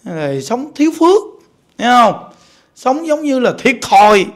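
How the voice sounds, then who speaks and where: A man with a Southern Vietnamese accent and an unusually high, light voice, preaching a Buddhist sermon. He tells stories animatedly and keeps turning to the congregation with quick questions. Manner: animated storytelling, keeps asking listeners "see?".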